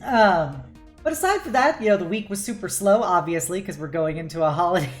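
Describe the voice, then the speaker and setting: A woman's voice: on the low side, expressive, brisk. A woman chatting casually and playfully to viewers on a livestream, with a giggly, chatty manner. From United States. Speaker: live streamer. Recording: music playing behind the voice. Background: background music.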